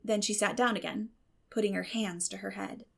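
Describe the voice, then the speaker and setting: A woman reading a classic novel aloud as an audiobook narrator, in an expressive storytelling style. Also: mid-range voice, normal speed, vocal fry.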